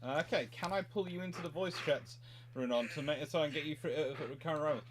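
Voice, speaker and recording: A man hosting a casual livestream, chatting haltingly and often repeating his words. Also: a little high, slight background noise. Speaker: livestream host.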